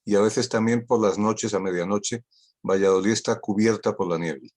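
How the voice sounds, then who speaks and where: A man's voice: on the low side, moderate pace, darkish tone. An older man from Spain whose first language is Catalan gives a guest talk over a video call. He is ironic and witty, and he repeats key phrases for emphasis. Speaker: guest speaker. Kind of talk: online talk.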